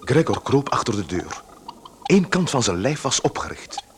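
An actor playing a composed storyteller, giving scripted literary narration in a radio drama. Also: male voice, mid-range voice, sing-song, normal speed, natural voice. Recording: clear background noise.

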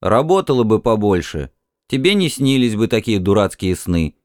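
A man's voice: fairly low pitch, sing-song, moderate pace, darkish tone, no room sound, studio quality. A man voicing an irritable, dismissive Martian husband in an audiobook, curt and scornful. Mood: irritated, scornful.

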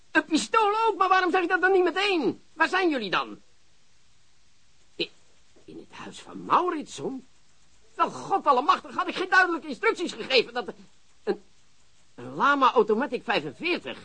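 An actor playing an excitable, gleeful police chief in a radio drama, exclamatory and quick to repeat himself. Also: male voice, very high-pitched, heavily acted. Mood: astonished, indignant.

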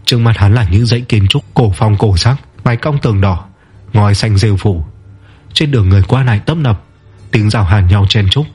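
Male narrator, low, husky, measured storytelling. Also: warm tone.

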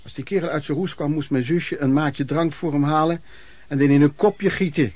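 A man's voice: fairly high pitch, fairly even intonation, normal speed, darkish tone, no room sound, natural voice. An actor playing an embittered working-class man who recounts his miserable youth in a colloquial radio play monologue. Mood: bitter, indignant. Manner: colloquial, emotional storytelling with repetitions. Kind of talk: Dutch radio play narration, reminiscing monologue.

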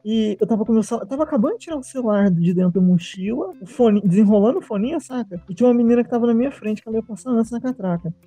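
A man's voice: sits high, lively intonation, racing, hardly any pauses, mellow, no echo, faint music behind. A man chatting on a podcast, rambling with lots of fillers. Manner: rambling, fillers like "tipo" and "saca". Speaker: podcast co-host. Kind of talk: casual chat.

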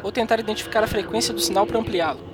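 Woman playing a hurried, fast-talking spaceship crewmate. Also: mid-range voice, music in the background, close to an everyday voice. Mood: urgent. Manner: urgent, hurried.

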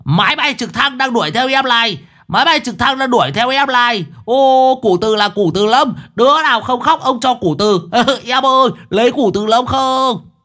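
A man voicing a young village man gone mad, giggling and singing his words in a drawn-out way. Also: very high-pitched, pushed and bright, pitched above the performer's own voice. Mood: manic shrieking.

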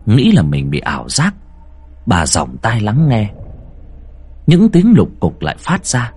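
A man narrating a ghost story in a dramatic, expressive storytelling manner. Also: on the low side, takes it slowly, husky.

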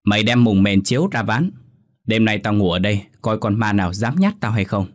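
A man's voice: fairly low pitch, a little fast, close to an everyday voice. A man voicing an arrogant middle-aged village official who bosses people around in a spoken ghost story. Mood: bossy. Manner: blustering, bossy.

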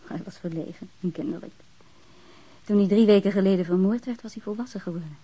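A young woman acting in a crime audio drama as a bereaved woman, frank, guarded and self-possessed, speaking in measured phrases. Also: medium pitch, warm tone, husky, no echo, highs cut off, close to an everyday voice. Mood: reflective, frank. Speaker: actress in a radio drama.

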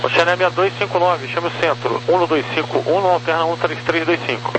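A Brazilian man works as an air traffic controller, firing off clipped instructions very quickly. His slightly high voice comes over a walkie-talkie style radio with clear hum and noise. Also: fairly even intonation. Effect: heard over two-way radio, like a walkie-talkie. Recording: humming, noisy two-way radio channel.

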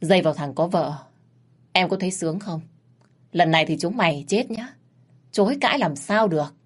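A woman's voice: fairly low pitch, normal speed, natural voice. A woman voicing a wronged young wife who speaks up in a raised, reproachful voice.

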